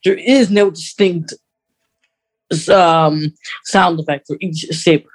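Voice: mid-range voice, fairly even intonation, slow, rough recording. A podcast co-host chatting casually about a radio drama, explaining things in a rambling, hesitant way.

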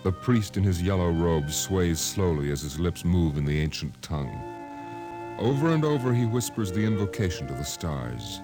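An actor as the solemn, portentous narrator of a 1950s radio drama, speaking deliberately and dramatically. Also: male voice, low voice, big pitch swings. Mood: ominous, solemn. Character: solemn male narrator of a doom-laden tale. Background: dramatic music.

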